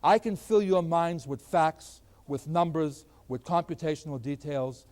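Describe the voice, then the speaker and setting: A middle-aged man lecturing as a math professor, animated and emphatic, with folksy asides to his students. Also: fairly high pitch, unhurried. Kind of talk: classroom lecture.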